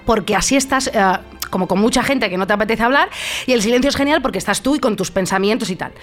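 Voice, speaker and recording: A woman hosts a relaxed talk show, telling stories theatrically and swearing freely. Her voice sits fairly high and carries an easy laugh. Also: fast, faint music behind. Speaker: radio host. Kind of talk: casual chat on a talk show.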